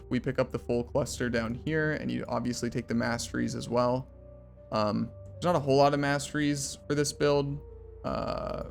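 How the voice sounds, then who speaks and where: A tired young man who is losing his voice, casually walking through a game character build at his computer with lots of ums and uhs. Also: medium pitch. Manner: rambling, filler-heavy explanation. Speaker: game build guide creator. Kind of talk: casual game guide walkthrough. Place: home room at a computer.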